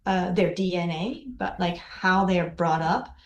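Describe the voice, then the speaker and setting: A woman's voice: lowish voice, steady tone, a little slow, reverberant, dull audio, slight background noise. A Japanese woman asking questions on a webinar call, hesitant, with many fillers and restarts. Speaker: webinar participant. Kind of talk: casual discussion in a webinar.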